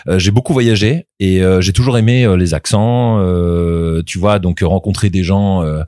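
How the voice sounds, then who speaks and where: A man's voice: low-pitched, fairly even intonation, moderate pace, dark tone, dry recording, studio quality. A man in his thirties, a voice actor being interviewed, talking casually with many fillers and restarts. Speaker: voice actor guest.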